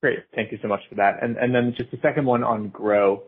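Husky man on a phone-like line. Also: mid-range voice, a little fast. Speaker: analyst asking questions. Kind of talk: polite questioning on earnings call. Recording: tinny, phone-like call line.

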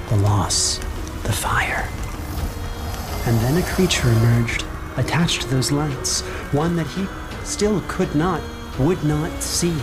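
Solemn male horror-fantasy narrator over music. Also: mid-range voice. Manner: solemn, suspenseful storytelling. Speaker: game master and narrator. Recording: loud music bed.

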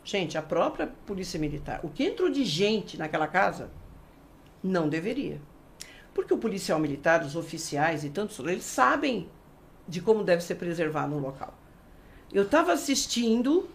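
A woman's voice: mid-range voice, creaky, a little hiss or hum. A middle-aged woman with a Brazilian accent, a forensic expert explaining cases in a casual interview. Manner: animated, explanatory, acts out quoted speech.

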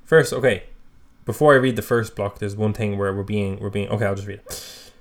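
A man's voice: fairly low pitch, fairly even intonation, fairly quick. A man co-hosting a podcast, chatting casually with rambling, self-mocking banter and the odd swear. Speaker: podcast co-host. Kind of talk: casual chat.

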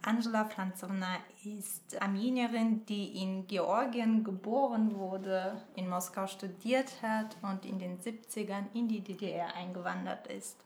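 A woman's voice: medium pitch, fairly even intonation, unhurried, hardly any pauses, darkish tone, reverberant. Friendly woman co-host. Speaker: podcast co-host. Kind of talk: casual interview.

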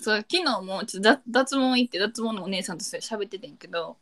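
A woman with a Kansai accent co-hosting a relaxed chat. She talks fast and tells everyday stories in a chatty way. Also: medium pitch. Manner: chatty storyteller. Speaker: podcast co-host. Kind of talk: casual chat.

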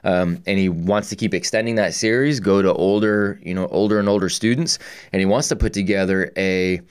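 A man's voice: low voice, steady tone, fairly quick, smooth. Casual, slangy man hosting an interview. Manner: informal, slangy, says "dude" and "man" often. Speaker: host interviewing a guest. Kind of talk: casual chat.

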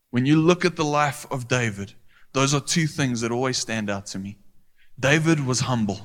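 Male pastor, mid-pitched, earnest sermon delivery that swells emphatically, church hall with long reverb. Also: a bit bright.

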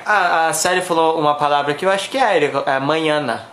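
A man's voice: a little high, brisk, a bit bright, a little hiss or hum. Brazilian man reading questions, echoey room. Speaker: co-host reading viewer questions. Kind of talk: casual chat in a live lesson.

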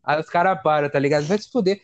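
A man in casual comedic chat, telling animated stories with a lot of swearing. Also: a little high, fast, no room sound, highs cut off. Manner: crude, animated storytelling with swearing.

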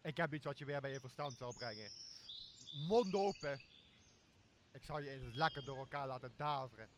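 A man's voice: mid-range voice, normal speed, noisy background, natural voice. A young man playing a boozy, blustering, greedy castaway in a Shakespeare radio play, with a coarse and bossy manner. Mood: startled, blustering. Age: young adult. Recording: clear outdoor nature sound behind voice.

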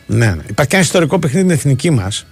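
A man co-hosting a sports radio show in a studio, talking casually and thinking aloud with hesitant pauses. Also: a little high, big pitch swings, slightly rough, soft background music. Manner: thinking aloud, hesitant, many fillers and restarts. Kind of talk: casual chat.

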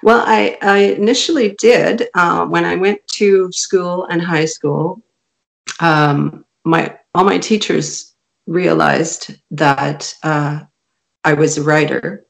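A woman's voice: lowish voice, steady tone, takes it slowly, vocal fry. A middle-aged woman author from Canada, a native Hungarian speaker, chatting in an interview and laughing often. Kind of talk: casual interview chat.

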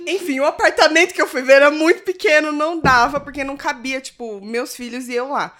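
Podcast co-host, woman in her 30s, high bright voice, laughs through her story. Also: a little fast. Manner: giggly storytelling, breaks into laughter. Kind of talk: casual podcast chat.

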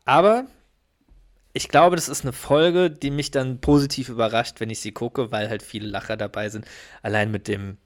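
A man's voice: mid-range voice, fairly even intonation, moderate pace. Male podcast co-host, casual, hesitant, mostly short agreements and brief remarks. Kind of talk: casual chat.

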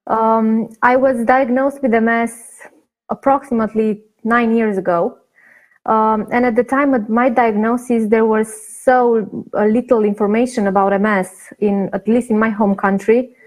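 A woman from Romania, a guest answering in an interview over a video call, pausing often with fillers. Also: on the high side, fairly even intonation, darkish tone, rough recording. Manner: hesitant, many fillers and restarts. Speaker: guest, patient advocate.

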